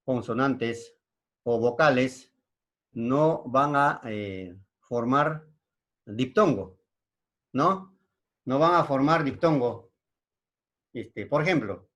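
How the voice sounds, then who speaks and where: A man's voice: mid-range voice, fairly bright tone. A man with a Peruvian Spanish accent teaching an online language lesson, explaining patiently and checking in with frequent tag questions. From Peru.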